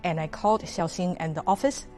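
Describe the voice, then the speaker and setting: A young woman from Malaysia, answering interview questions as a guest orchestra musician in a relaxed way, with many fillers and restarts. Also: fairly low pitch, brisk, over music. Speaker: orchestra horn player, guest.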